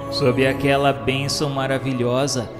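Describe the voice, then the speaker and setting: A man's voice: mid-range voice, little pitch movement, normal speed. A man with a Brazilian accent narrating a radio novela in a solemn, reverent, formal literary style. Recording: long reverb with music bed.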